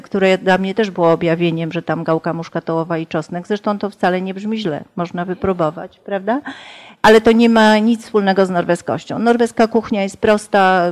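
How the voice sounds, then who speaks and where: A woman's voice: fairly low pitch, darkish tone. An older woman, a literary translator, speaking her opinions directly in a podcast discussion.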